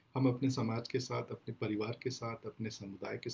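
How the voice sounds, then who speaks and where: A man's somewhat breathy voice. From India, Gadchiroli district, Maharashtra; Maharashtra. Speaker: historian and lecturer; lecturer. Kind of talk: lecture. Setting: live online broadcast. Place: home room. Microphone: webcam.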